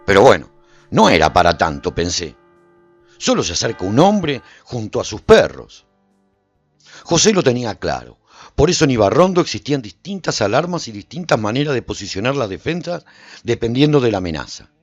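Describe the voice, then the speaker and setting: A man playing a solitary, reflective survivor who recounts his travels in measured, theatrical radio drama narration. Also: medium pitch, sing-song, soft background music. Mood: observant, reflective. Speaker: narrator and lead actor of a radio serial.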